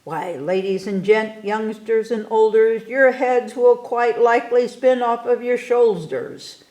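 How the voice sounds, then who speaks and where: A woman reading a rhyming picture book aloud to children in an expressive, theatrical way, stretching key words for emphasis. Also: on the high side, measured pace, low-quality recording. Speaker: story time reader.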